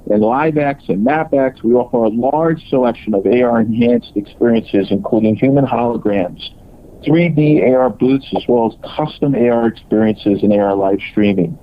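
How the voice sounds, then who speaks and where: A man presenting as a company executive, reading scripted earnings call remarks in a halting way with broken phrasing. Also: medium pitch. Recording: dull, lo-fi conference call audio.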